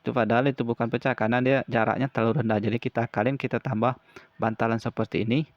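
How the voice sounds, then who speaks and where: A man explaining a hands-on repair step by step in an informal, halting, repetitive way. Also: mid-range voice, fairly even intonation, no room sound, dull audio. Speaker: repair tutorial presenter.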